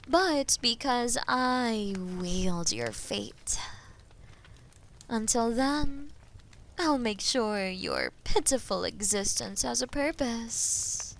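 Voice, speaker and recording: A woman playing a haughty, menacing female dragon in an audio roleplay, imperious and mocking, with a breathy voice that often drops into whispers. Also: fairly high pitch, a bit bright, slight background noise, exaggerated voice. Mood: cold dominance. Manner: imperious, mocking, slow and deliberate. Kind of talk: scripted audio roleplay addressed to listener.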